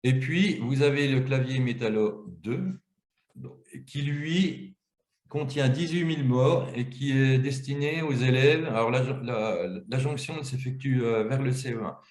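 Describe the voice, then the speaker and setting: A man's voice: medium pitch, measured pace, a little mellow. A man presenting a webinar, explaining an app step by step. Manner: explanatory, walks through screens step by step. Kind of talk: webinar software demonstration. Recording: roomy, echoey webinar audio.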